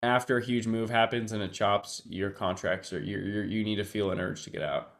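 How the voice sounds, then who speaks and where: A man's voice: lowish voice, fairly even intonation, a little fast. Stuffy-nosed man chatting through a live stream. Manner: thinks aloud, talks to chat, trails off. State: congested, sniffling. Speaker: livestream trader. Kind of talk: casual livestream commentary.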